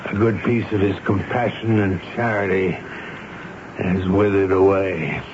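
A man playing a stern, weary army major in 1970s radio drama, speaking and narrating in a measured, grave way. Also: sits low, level tone. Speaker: actor and first-person narrator in radio drama. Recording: noisy, dull 1970s radio broadcast recording.

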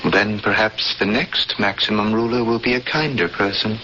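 A fatalistic, earnest prisoner in a 1970s radio drama. His voice is bright and forceful, with solemn, formal phrasing. The vintage broadcast is dull and carries faint noise. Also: lowish voice, moderate pace. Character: earnest, fatalistic male prisoner and would-be rebel. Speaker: actor playing a cellmate.

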